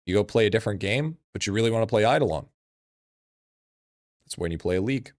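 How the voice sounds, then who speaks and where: Male streamer, lowish voice, casual frat bro talk, slangy and sweary, dry recording. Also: expressive, quick pace, a little mellow, no echo. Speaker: live streamer. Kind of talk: casual livestream chat.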